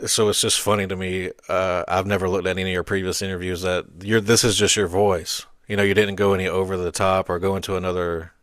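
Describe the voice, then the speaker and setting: A man hosting a casual interview, speaking in a relaxed, conversational way. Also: low-pitched, fast, few pauses. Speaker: podcast host.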